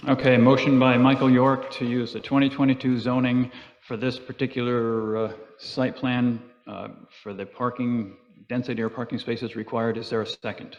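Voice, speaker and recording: A man's voice: mid-range voice, flat delivery, moderate pace, few pauses. Plainspoken man chairing a town meeting. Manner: procedural, plainspoken. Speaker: planning board chair. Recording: dull audio in a reverberant meeting hall.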